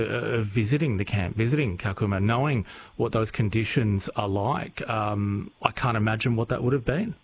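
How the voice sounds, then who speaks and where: Upbeat radio host. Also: male voice, medium pitch, breathy edge. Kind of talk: radio interview.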